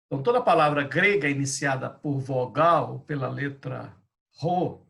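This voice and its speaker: Gravelly-voiced man teaching a Greek lesson. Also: medium pitch, lively intonation, unhurried, fairly bright tone. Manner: patient, repeats and restates points. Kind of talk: explanatory lesson.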